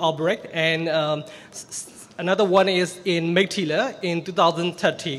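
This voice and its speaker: With a Burmese accent, a man speaks at a very slow pace in a high pitch, keeping his intonation fairly even. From Myanmar. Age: young. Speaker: human rights specialist; conference speaker. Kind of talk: conference presentation. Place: hall. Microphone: podium.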